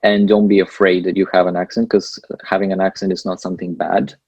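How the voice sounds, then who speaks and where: A man's voice: low-pitched, fast talker, creaky, husky, no room sound, lo-fi sound. A young man from Bulgaria with a Bulgarian accent, speaking English as a second language and giving earnest advice as a guest in a casual interview. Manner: relaxed, earnest, laughs between points. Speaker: guest, PhD student.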